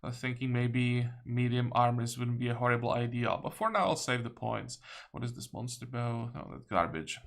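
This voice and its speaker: Gravelly-voiced man playing a game. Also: medium pitch, normal speed. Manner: thinks aloud, reads game text aloud. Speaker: video game let's-player. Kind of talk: casual gameplay commentary.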